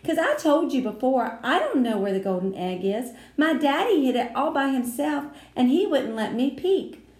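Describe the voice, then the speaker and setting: A woman's voice: sits high, big pitch swings, normal speed, darkish tone, echoey room, pitched above the performer's own voice. A woman voicing a spoiled, showy rich little girl who talks in a prissy, sing-song way. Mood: pleading.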